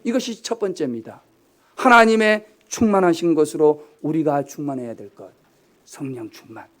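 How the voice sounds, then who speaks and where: A man preaching a sermon as pastor, swinging between emphatic high exhortations and quiet low asides, often asking the congregation rhetorical questions. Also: expressive, normal speed.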